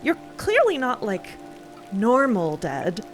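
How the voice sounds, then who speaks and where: Sarcastic emotional space explorer gal, highish voice all over the place, halting, music and rain behind. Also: female voice, huge pitch swings, exaggerated voice. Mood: incredulous, searching. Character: expressive, sarcastic woman space explorer, hurt girlfriend. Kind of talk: dramatic audio fiction acting.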